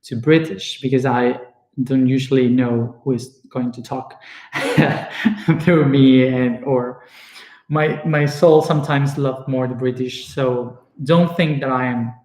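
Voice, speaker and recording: A young man with an Argentine accent and Spanish as his first language, talking to his viewers in a casual personal monologue and often pausing to search for words. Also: medium pitch, fairly even intonation, darkish tone. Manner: searching for words, many fillers and restarts. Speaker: spiritual speaker. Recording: echoey room.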